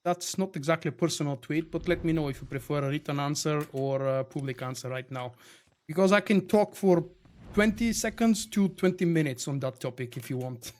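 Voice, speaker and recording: A man's voice: fairly high pitch, brisk, darkish tone. Bulgarian man chatting on a game stream. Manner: chatty, reads and answers viewer chat. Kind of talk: casual live-stream chat.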